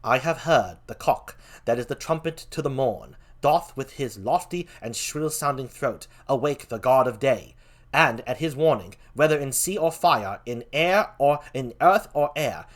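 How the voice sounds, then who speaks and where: A man's voice: medium pitch, expressive, a little slow, natural voice. A man voicing a grave, earnest night watchman in a stage tragedy, reading in a declamatory Shakespearean style.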